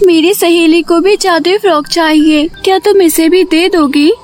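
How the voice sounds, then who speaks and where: A woman voicing an innocent, timid young village girl with an earnest, childlike manner in an animated story. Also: extremely high pitch, unhurried, faint music behind.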